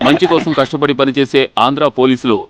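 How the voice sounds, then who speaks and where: A man's voice: medium pitch, fairly even intonation, fast, very noisy, close to an everyday voice. A man dubbing a film hero who defiantly taunts the police in a sarcastic, mocking manner. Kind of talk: dubbed film dialogue.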